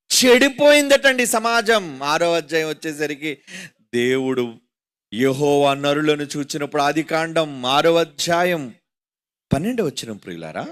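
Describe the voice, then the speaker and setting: A man's voice: extremely high pitch, a bit bright. A man preaching a sermon at an open public meeting, dramatic, with rhetorical questions and repeated phrases.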